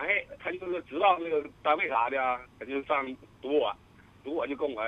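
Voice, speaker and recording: A man at a moderate pace. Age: 60s. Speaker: caller. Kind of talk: call-in advice show. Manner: halting.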